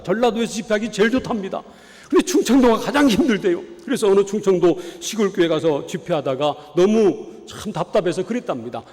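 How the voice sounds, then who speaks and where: Man, pastor, sermon, from Chungcheong, high-pitched voice, earnest, long church-hall echo. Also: darkish tone. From Chungcheong, South Korea. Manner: earnest preaching with rhetorical questions. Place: church sanctuary.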